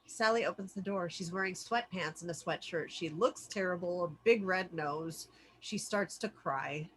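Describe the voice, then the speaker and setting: A woman's voice: on the low side, normal speed, a little hiss or hum. A woman narrating the stage directions of a film script expressively at a virtual table read.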